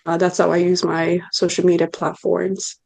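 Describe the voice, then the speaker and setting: A woman's voice: fairly low pitch, completely flat delivery, normal speed, vocal fry, darkish tone. A woman in her twenties from Ethiopia, answering interview questions earnestly, with frequent ums and restarts. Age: 20s. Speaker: interview guest. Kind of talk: casual interview talk.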